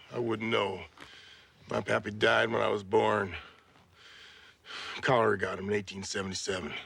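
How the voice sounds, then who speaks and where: Putting on a character voice, a man speaks in a raspy, fairly low pitch with fairly even intonation at a moderate pace, leaving long, frequent pauses. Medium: short film. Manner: plain, old-fashioned folksy speech.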